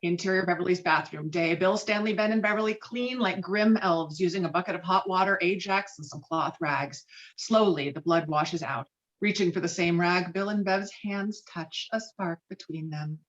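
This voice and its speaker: A woman with a fairly low voice reads out screenplay directions as a narrator. The sound is somewhat dull and lo-fi, like a remote table read over a call. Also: normal speed. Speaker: narrator reading stage directions. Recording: dull lo-fi video call audio.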